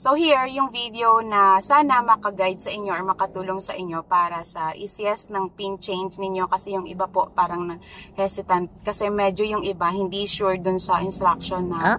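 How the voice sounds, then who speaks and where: With light background noise and a dry sound with no echo, a woman talks at a moderate pace with ordinary pitch variation and hardly any pauses. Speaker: vlogger explaining a bank procedure. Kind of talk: casual tutorial vlog chat. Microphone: phone near.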